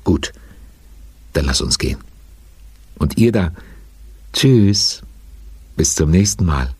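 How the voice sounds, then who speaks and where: An actor playing a chatty, playful storyteller in a children's audio play, with a raspy, breathy voice. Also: male voice, sits low, no room sound, exaggerated voice. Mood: cheerful, eager. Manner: animated, playful, unhurried. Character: chatty male storyteller of a children's witch series.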